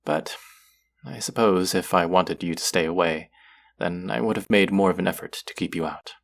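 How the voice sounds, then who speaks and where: Guy doing aloof underworld god for audio rp, really deep n gravelly, formal and dry, secretly soft. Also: moderate pace. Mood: cautioning, guarded. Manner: formal, wry, guarded, addressing the listener directly. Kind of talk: intimate scripted audio roleplay.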